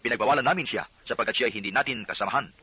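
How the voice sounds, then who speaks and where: A narrator voicing an eager young disciple. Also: male voice, medium pitch, rapid-fire, pushed and bright, husky, no echo. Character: eager devoted male disciple. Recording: dull lo-fi audio.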